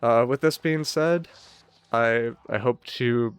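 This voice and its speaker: Guy doing a casual gaming channel goodbye, kinda bummed and resigned, clean smooth voice, dry close sound. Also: mid-range voice, slow, no echo. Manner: downcast, wistful, sighing resignation. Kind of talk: casual unscripted farewell commentary on a video game.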